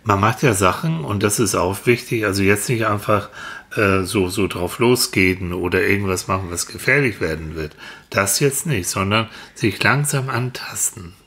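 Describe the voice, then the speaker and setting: A man with a lowish, slightly bright voice talks at a normal speed with hardly any pauses. Acting as a mentor to a child character in a children's audio series, he improvises patient, encouraging explanations meant to reassure.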